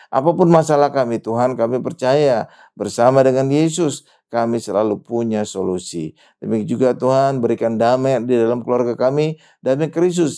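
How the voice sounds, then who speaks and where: A man leads the congregation in a spoken prayer, moving steadily from one petition to the next. His voice has a gravelly, rough edge. Its tone is dark and mellow, in a middle register. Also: mid-range voice. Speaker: pastor leading prayer.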